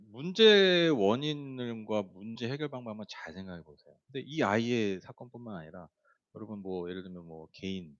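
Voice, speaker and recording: A man delivers a sermon in a relaxed, storytelling manner, filling his sentences with small hesitations and turning often to address his listeners. His voice sits on the low side. The recording sounds dull and lo-fi. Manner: conversational storytelling, many fillers, addresses the congregation. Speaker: pastor.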